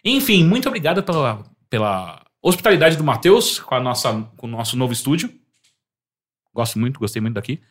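A man with a Brazilian Portuguese accent, co-hosting a podcast and trading deadpan jokes in casual chat. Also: medium pitch, fairly quick. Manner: deadpan joking. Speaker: podcast co-host.

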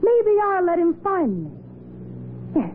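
A woman's voice: extremely high pitch, wildly swooping pitch, slow pace, heavily acted. An actress playing a young, hard, icy female crime boss with a sneering, tough way of talking, in 1940s radio style. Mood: cold scheming. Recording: scratchy, tinny 1940s radio recording.

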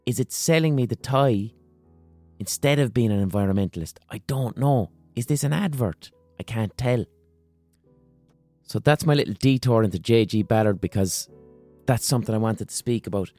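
A hoarse man with an Irish accent hosting a solo podcast, talking passionately, swearing and throwing out rhetorical questions. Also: lowish voice, normal speed, warm tone, no room sound, soft background music. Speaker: podcast host.

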